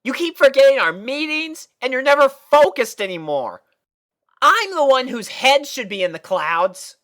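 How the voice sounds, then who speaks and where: A woman puts on a brash young tomboy pegasus from a cartoon, pitched high and lively. The filly talks bluntly and casually, with slangy exclamations and an impatient yet loyal temper. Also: moderate pace. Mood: annoyed.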